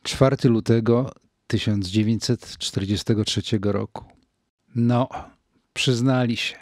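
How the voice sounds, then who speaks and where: An older man reading a wartime diary aloud in a measured, grave manner, with deliberate pauses. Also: medium pitch, darkish tone, no echo, studio quality. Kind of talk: slow reflective diary reading.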